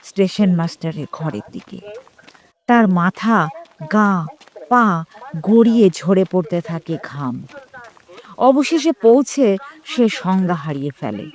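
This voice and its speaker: A woman reads a story as dramatic, suspenseful narration, in measured phrases broken by pauses. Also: medium pitch, darkish tone, a little hiss or hum. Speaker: storyteller reading a ghost story. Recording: music behind the voice. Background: background music.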